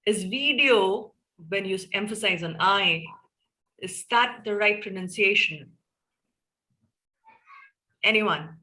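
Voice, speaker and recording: Bright-voiced Indian woman moderator. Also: mid-range voice, takes it slowly, pauses often, low-quality recording. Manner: encouraging, prompts participants by name. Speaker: meeting moderator. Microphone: video call.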